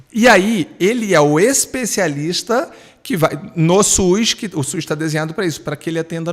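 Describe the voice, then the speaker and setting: Speaking at a moderate pace, a man with high pitch uses an animated tone and lively intonation. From Rio de Janeiro, Brazil (born in Rio Grande do Sul). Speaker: family doctor. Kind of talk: podcast interview.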